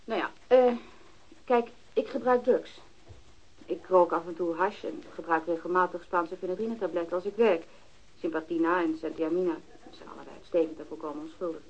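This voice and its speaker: Frank low-voiced woman witness, crisp. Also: a little fast. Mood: frank, unapologetic. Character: frank, matter-of-fact woman, drug user, testifying to police. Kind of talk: Dutch radio drama dialogue. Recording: dull, lo-fi archived radio recording.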